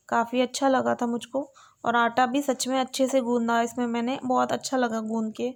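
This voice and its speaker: A young woman chatting casually to her viewers in a home vlog while she cooks and sits with her child, speaking through a camera set on a stand. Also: on the high side. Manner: chatty, talks to viewers directly. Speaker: vlogger. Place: home kitchen and bedroom.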